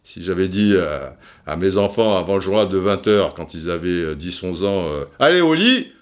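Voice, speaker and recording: A Frenchman in his forties hosts a podcast in a low, a little mellow voice with fairly even intonation and a moderate pace. He tells a long personal story in a chatty, digressive way, full of fillers and restarts, as a casual storytelling monologue.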